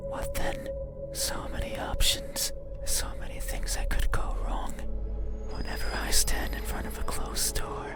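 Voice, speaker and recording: An actor voicing an obsessive, brooding demon in a slow, hushed, intimate and menacing ASMR horror game monologue. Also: male voice, natural voice. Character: eerie whispering male demon, obsessive and brooding. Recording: music playing under the voice.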